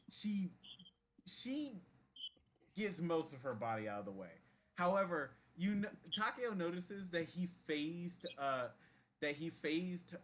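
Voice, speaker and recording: Bright-voiced man running a tabletop game. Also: on the high side, slight background noise. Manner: casual, chuckling, halting restarts. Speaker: game master.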